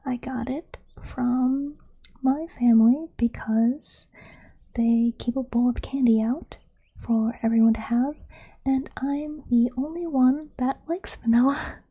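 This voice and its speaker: A woman doing an ASMR roleplay in a gentle, reassuring, breathy whisper, speaking softly and slowly close to the microphone. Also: high-pitched, steady tone, rough recording. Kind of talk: soft-spoken ASMR roleplay.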